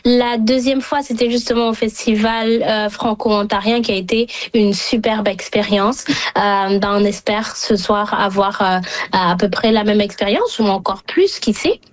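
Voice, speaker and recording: A middle-aged woman from Congo, a singer-songwriter answering interview questions thoughtfully, pausing often to find her words. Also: mid-range voice, no echo. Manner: thoughtful, searching for words with many pauses.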